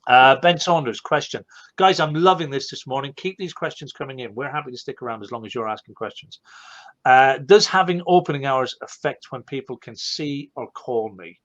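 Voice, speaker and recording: A man with an Irish accent hosting a live online Q&A, animated and rambling, often correcting himself mid-sentence. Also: mid-range voice, moderate pace, muffled recording. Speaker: host.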